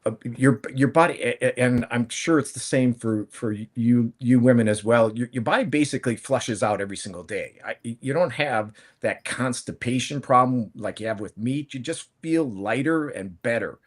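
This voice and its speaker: Talking at a moderate pace with hardly any pauses, the man has a mid-range voice. He's in his fifties, a plant-based food entrepreneur and panel guest, narrating his story casually and rambling, with many restarts and self-corrections.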